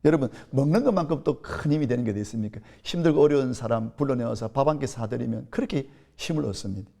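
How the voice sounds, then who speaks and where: A Korean pastor in his fifties with a Gyeongsang accent delivers an earnest, story-driven sermon that builds to emphatic peaks. His voice is warm and medium-pitched, fast, with noticeable vocal fry.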